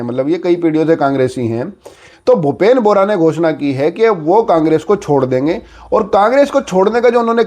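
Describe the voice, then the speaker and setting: Male news commentator, high voice, informal explainer delivery peppered with verbal fillers. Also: a little mellow. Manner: conversational explainer with repeated filler phrases.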